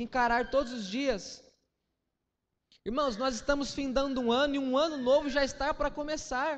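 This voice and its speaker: With ordinary pitch variation, a man talks in an extremely high pitch. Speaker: preacher. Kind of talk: sermon.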